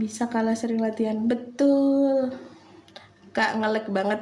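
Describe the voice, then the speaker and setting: Her pitch fairly high, a woman speaks at a very slow pace in a monotone, flat intonation. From East Java. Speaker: streamer drawing live. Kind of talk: casual live stream chat. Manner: casual, chatty.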